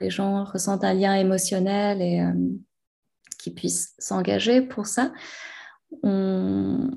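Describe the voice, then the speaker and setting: Her pace is very slow. The woman leaves long, frequent pauses. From Paris, France. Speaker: ocean and dolphin advocate. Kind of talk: interview conversation. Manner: halting, with frequent repetitions.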